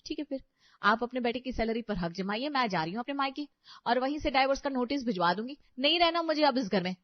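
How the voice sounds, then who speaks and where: A woman's voice: a little high, animated, fast talker, no echo, lightly acted. A woman voicing a spoiled, haughty young bride in a cartoon story who is rude and sarcastic to her mother-in-law. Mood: demanding. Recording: dry, slightly dull audio.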